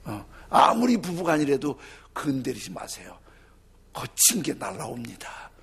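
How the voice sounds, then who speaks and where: High, gravelly-voiced male preacher. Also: big pitch swings, a little slow. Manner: dramatic preaching, swinging from loud cries to near-whispers. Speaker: pastor. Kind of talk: sermon.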